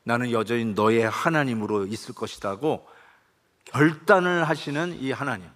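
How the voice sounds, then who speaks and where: A man's voice: mid-range voice, normal speed, a bit bright. A male pastor preaching a sermon in a church sanctuary, in a conversational, anecdotal way with light humor.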